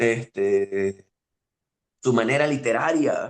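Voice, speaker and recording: A man's medium-pitched voice in a Venezuelan Andean accent. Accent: Venezuelan Andean (gocho), unchanged. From Venezuela, Andean region (Táchira). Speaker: industrial designer and migrant. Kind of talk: interview conversation. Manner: halting, many repetitions and fillers.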